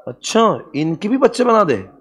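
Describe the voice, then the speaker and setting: A man's voice: high-pitched, sing-song, moderate pace, a bit bright, breathy edge. A man giving a classroom lecture on business strategy to students, playful and joking, often breaking into laughter. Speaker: commerce exam lecturer.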